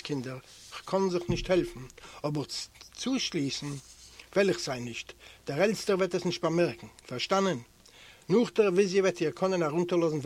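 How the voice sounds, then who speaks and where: A man reading aloud voices a warm, fatherly prison guard who speaks gently and a little louder than the narration. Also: fairly high pitch, lightly acted.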